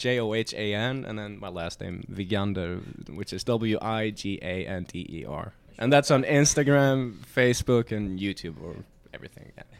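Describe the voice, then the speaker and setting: A man speaks with a Swedish accent at a moderate pace. His voice sits fairly low, with ordinary pitch variation. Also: big swings in loudness. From Sweden, Gothenburg. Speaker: drummer. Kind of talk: interview.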